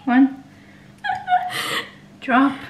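A young woman, chatting in a lively, bossy way while explaining. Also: high-pitched, drawn-out words, roomy sound, background noise. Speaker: vlogger's sister. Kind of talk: casual chat.

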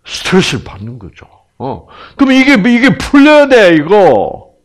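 A man's voice: high-pitched, wildly swooping pitch, unhurried. A man giving a health lecture who acts out little scenes and keeps asking his audience questions. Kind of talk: lively lecture.

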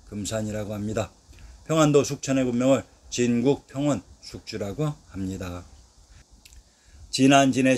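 Reading a history lesson from a script, a man with an ordinary mid-range voice recites old place names in sequence. His delivery is steady and measured, each list falling away at its close.

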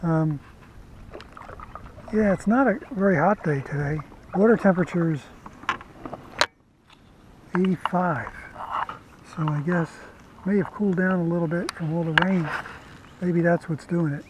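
A man casually narrating his fishing trip from a kayak, talking to the camera in a relaxed, chatty way. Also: high-pitched, measured pace, pauses often, background noise. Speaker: fishing vlogger. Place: kayak on a lake outdoors. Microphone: head-mounted action camera.

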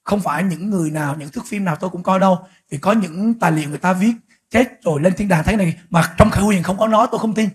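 Husky high-voiced preacher. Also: male voice. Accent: Vietnamese. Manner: preaching with sudden loud, shouted peaks and slow drawn-out words. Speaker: pastor. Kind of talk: sermon.

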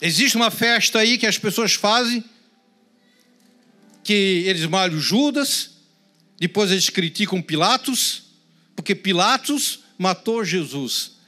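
Brazilian pastor, male, high voice, dramatic sermon delivery with hushed drops, faint music underneath. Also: lively intonation, takes it slowly, long pauses. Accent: Brazilian Portuguese. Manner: dramatic preaching, swings between loud emphasis and hushed prayerful tones.

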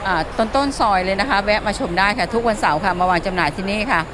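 A woman's voice: mid-range voice, animated, fast talker. A woman hosting a casual walk-around market vlog, chatting with vendors, exclaiming often and repeating their answers for viewers. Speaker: host of a plant market walk-around video. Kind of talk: casual on-location vlog commentary and vendor chat. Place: outdoor plant market. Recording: busy outdoor market crowd and street noise.

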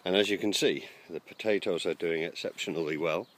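An allotment vlogger casually narrates a walk around his garden plot, filmed outdoors on a handheld camera. His deep voice is a bit bright and a little fast, and he talks hesitantly with lots of ums and uhs.

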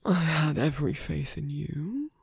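Very close and dry, a man acts out a wounded, gentlemanly villain in an ASMR audio roleplay. The voice is breathy with a gravelly creak, often fading to a whisper. He speaks slowly, politely and haltingly, weakened yet tender and wry. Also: fairly high pitch, animated, no echo, heavily acted. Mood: tender, hesitant. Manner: hesitant, halting, polite and formal. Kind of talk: intimate ASMR roleplay acting.

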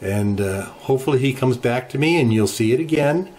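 A middle-aged man hosting a ham radio channel, walking through software settings in an unhurried tutorial with many filler pauses, recorded at a desk in his home radio room. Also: medium pitch, lively intonation, slight background noise. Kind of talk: screen-share software tutorial. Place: home radio shack, indoors.

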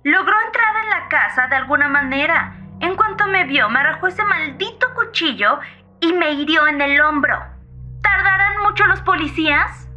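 An actress playing a feisty, fearless, irritated 911 caller in a horror audio story, brash and mocking, heard through a phone filter. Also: female voice, sits high, expressive, normal speed, bright, forceful tone, soft background music, full character voice. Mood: defiant, vengeful. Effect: phone-line filter. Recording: thin band-limited phone sound.

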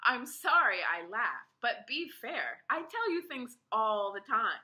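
Wry young guardian, teasing and prone to laughter, high bright voice, put on by a woman reading a storybook. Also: sing-song, slow, full character voice. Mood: earnest.

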